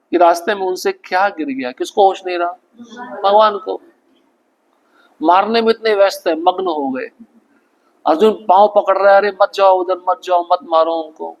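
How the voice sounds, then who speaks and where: A man leading a devotional scripture class, retelling the story and chanting Sanskrit verses slowly. He often asks the class a question and then answers it himself. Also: sits high, poor audio.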